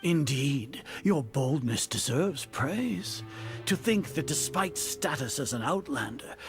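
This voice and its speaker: A pompous older scholar villain from a video game, speaks in a medium-pitched voice. He is imperious and coldly condescending, choosing formal words deliberately. Music plays clearly behind him. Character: imperious older male grand sage, cold scheming villain. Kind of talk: scripted video game voice acting. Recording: game dialogue over loud music.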